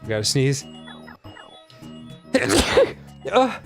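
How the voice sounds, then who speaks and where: A relaxed man chatting as co-host of a gaming show, unhurried in pace. His pitch swings widely as he rambles and chuckles, and the talk stays loose and friendly. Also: vocal fry, faint music behind. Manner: laid-back, rambling, laughs easily. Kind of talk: casual let's-play banter.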